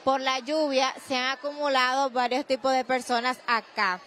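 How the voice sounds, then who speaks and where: A woman's voice: high-pitched, level tone, moderate pace, a bit bright, a little hiss or hum. A young Dominican woman reporting on site at an expo fair with a handheld mic, upbeat and promotional. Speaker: field reporter. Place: indoor expo fair hall, crowd around.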